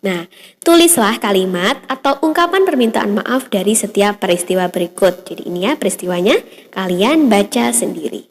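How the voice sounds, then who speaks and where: A woman's voice: mid-range voice, expressive, normal speed. A woman primary school teacher giving a patient lesson to young children, explaining step by step with frequent "ya" and "nah". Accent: Indonesian. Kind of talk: online class lesson for children.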